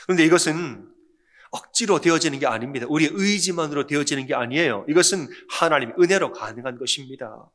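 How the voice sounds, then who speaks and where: A man preaching a Sunday sermon as pastor, asking the congregation questions and answering them himself. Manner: acts out quoted lines in a softer, lower voice.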